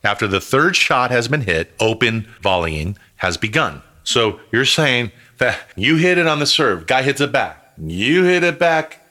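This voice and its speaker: A man's voice: mid-range voice, very animated, measured pace, few pauses, bright, forceful tone. A man co-hosting a casual podcast, joking around and laughing often. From half Italian, half Greek family. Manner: jokey, laughs often, drifts into goofy voices. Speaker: podcast co-host.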